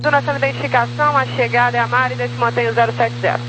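A woman's voice: on the high side, fairly even intonation, fast. A Brazilian woman working as an air traffic controller, issuing clipped instructions over a crackly, military-style aviation radio. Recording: humming, noisy crackly radio transmission.

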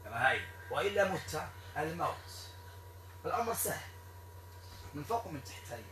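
A man with a Moroccan Arabic accent, performing an exorcism ritual in a stern, repetitive, commanding way that sometimes turns to shouting. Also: on the high side, big pitch swings, brisk. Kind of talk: ritual commands to a possessed person. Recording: echoey room, distant mic, noisy.

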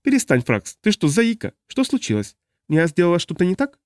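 A man's voice: high voice, wildly swooping pitch, brisk, darkish tone, no echo, clean studio sound, voice pushed up. A man voicing a fiery young half-orc woman warrior who talks bluntly and indignantly. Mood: puzzled.

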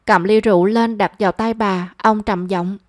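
A woman reads a romance story aloud in a measured, expressive narrator's voice. Her pitch sits in the middle range. The recording is dry and close, with no room sound. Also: no room sound.

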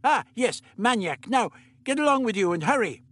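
Guy doing a fussy old doctor voice, high and bouncy, stammery and old-fashioned. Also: big pitch swings, normal speed, fairly bright tone, exaggerated voice. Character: fussy, absent-minded elderly male doctor. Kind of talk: audiobook character reading.

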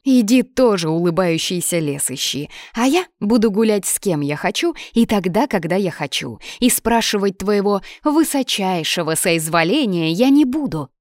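A woman voicing a feisty, cheeky young red-haired woman with squeaky, loud retorts in an audiobook. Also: expressive, moderate pace, hardly any pauses, no room sound, clean studio sound, natural voice. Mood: furious.

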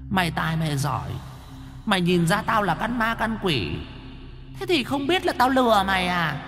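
A man voicing a spiteful female fake shaman turned fiery demon, in a shrill cackling falsetto, with hall reverb and music behind. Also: sing-song, moderate pace, fairly bright tone, full character voice. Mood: gloating.

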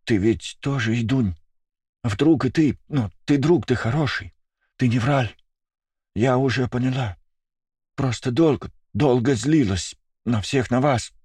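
A man reading an audiobook puts on a skittish young rabbit-eared girl who talks in a husky, breathy hush. She is raised above his own low voice yet stays fairly low for a girl, nervous and halting, in a close, dry storybook reading. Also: no echo. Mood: pleading. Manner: hushed, hesitant whisper.

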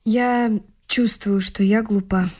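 A woman's voice: mid-range voice, steady tone, takes it slowly, dark tone. An actress in a radio play voicing a naive, easily swayed young wife in a girlish, plaintive, singsong way. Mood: meek, plaintive. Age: young adult. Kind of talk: theatrical radio drama acting.

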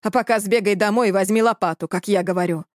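A woman voicing a stern old village man with a gruff, folksy way of talking. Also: mid-range voice, fast, no echo, studio quality, natural voice.

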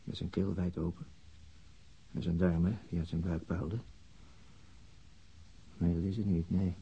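A weary middle-aged police inspector with a deep, very husky voice. He is brooding and terse, probing with questions in the manner of a radio drama, and his words creak with fry. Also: little pitch movement, measured pace, warm tone, highs cut off, full character voice. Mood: anguished, self-doubting. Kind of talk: radio play acting, inner monologue and questioning.

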